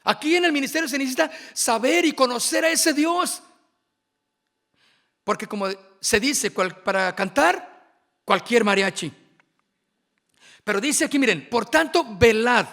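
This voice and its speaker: A man preaching at a worship workshop, with emphatic, drawn-out phrasing and asides to his listeners. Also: very high-pitched, animated, bright, forceful tone.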